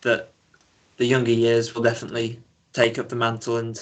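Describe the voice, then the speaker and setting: A man with a Leeds accent, medium pitch and a moderate pace. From northern England, Leeds suburb. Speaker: student society president. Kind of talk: interview.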